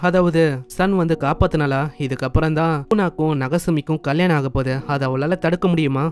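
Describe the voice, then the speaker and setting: A man's voice: fairly high pitch, darkish tone. A man casually retelling an anime story as the channel's narrator, reading every character's lines in his own voice. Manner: rapid, chatty, reads all dialogue in his own voice.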